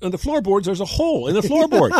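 A man in his sixties, a longtime sports broadcaster, telling animated anecdotes in casual chat. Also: sits high, fast, no echo. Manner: animated anecdotes, acts out quotes.

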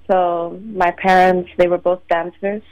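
A woman in her late twenties, from Sweden, a ballet dancer answering interview questions in a measured, soft-spoken way with many pauses. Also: on the low side, little pitch movement, lo-fi sound. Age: 20s. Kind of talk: phone-in radio interview.

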